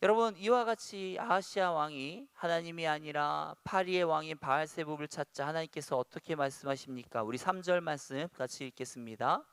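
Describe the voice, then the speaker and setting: Korean pastor preaching, dramatic swings. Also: male voice, a little high, a little fast, few pauses, clean tone, no echo. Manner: swings from quiet reading to loud acted outbursts. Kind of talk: sermon.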